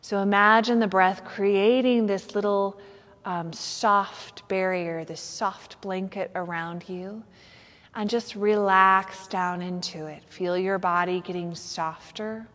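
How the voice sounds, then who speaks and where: A yoga nidra teacher guides a relaxation in a very slow, soothing, unhurried way, giving gentle instructions and leaving pauses between phrases. Her medium-pitched voice holds a steady tone and carries a long, hall-like reverb.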